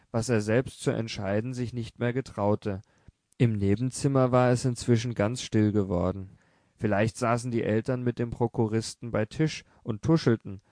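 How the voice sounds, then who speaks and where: A man narrating a literary audiobook in a measured, even storytelling manner. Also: medium pitch, no echo, studio quality.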